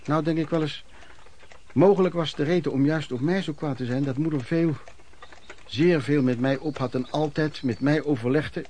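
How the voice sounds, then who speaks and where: An actor plays an embittered working-class man in a radio drama. His voice sits a little high. He tells of his wretched youth in plain, emotional, colloquial speech, often repeating himself. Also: normal speed, a little mellow, slight background noise, natural voice. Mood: pained, brooding. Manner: colloquial, emotional storytelling with repetitions. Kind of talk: Dutch radio play narration, reminiscing monologue.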